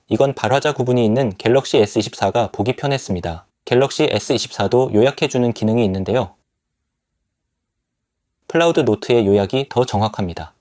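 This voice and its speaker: A man's voice: mid-range voice, a little mellow, no room sound, clean studio sound. A man narrating a scripted product review in a polite, explanatory manner.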